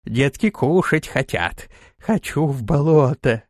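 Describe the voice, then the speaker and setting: A man's voice: a little high, expressive, dry recording, studio quality. A man doing a gloating swamp creature. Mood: pleased. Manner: slow, oddly pleased drawl.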